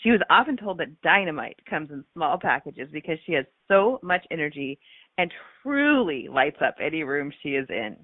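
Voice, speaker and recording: A woman with a deep voice hosts a radio show, very animated at a normal pace, a cold leaving her a little scratchy. The recording is dry but tinny like a phone line, and she introduces her guest eagerly with plenty of ums and uhs in a scripted intro and chat.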